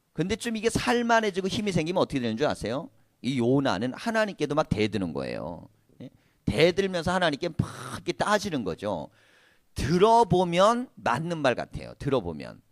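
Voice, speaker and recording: A man's voice: medium pitch, dry recording, clean studio sound. A male pastor preaching a sermon in a conversational way, asking his listeners many questions and laughing now and then. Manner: occasional laughter. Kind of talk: sermon at a prayer meeting.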